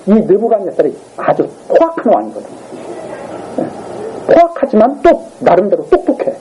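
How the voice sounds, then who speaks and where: A man's voice: high-pitched, huge pitch swings, moderate pace, dark tone, slight background noise, rough recording. A man preaching a Sunday morning sermon as a pastor, telling the story with feeling and acting out the lines of the king and his advisers. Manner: asks the congregation for agreement. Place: church sanctuary.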